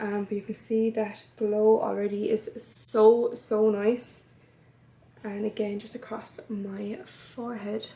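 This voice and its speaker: Her fairly high voice stays monotone and flat at a very slow pace. A woman's loudness swings widely over noticeable background noise. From Ireland, Limerick. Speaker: beauty vlogger. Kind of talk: casual chat while doing makeup.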